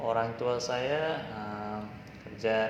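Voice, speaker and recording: Fairly even intonation with an Uzbek accent, audible room echo and noticeable background noise. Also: man. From Uzbekistan. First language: Uzbek (speaking Indonesian). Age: 20s. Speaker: university student. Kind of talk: interview. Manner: halting.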